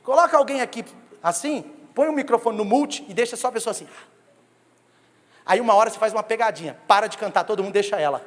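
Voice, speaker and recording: A Brazilian pastor in his thirties preaches from a church stage in a fairly high voice. He tells animated, funny stories and teases the congregation. His voice rings out with the long reverb of a church hall. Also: fast. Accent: Brazilian Portuguese. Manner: humorous, animated storytelling that jokes with the congregation. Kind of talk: sermon. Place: church sanctuary.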